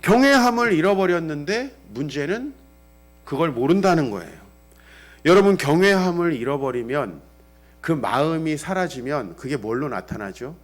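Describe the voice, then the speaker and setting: A middle-aged man preaching a sermon as pastor, acting out bits of dialogue and moving between loud and hushed passages. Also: fairly high pitch, animated, normal speed, soft background music.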